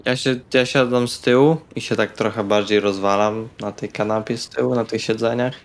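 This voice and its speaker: A man's voice: on the low side, steady tone, normal speed. A man playing a tabletop role-playing game, casually speaking in character and describing his actions. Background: music.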